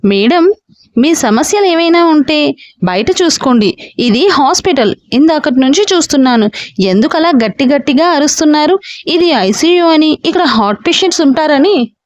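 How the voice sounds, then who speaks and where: A woman's voice: high voice, expressive, normal speed, dry recording, pitched above the performer's own voice. A woman voicing a stern hospital nurse who rebukes noisy visitors.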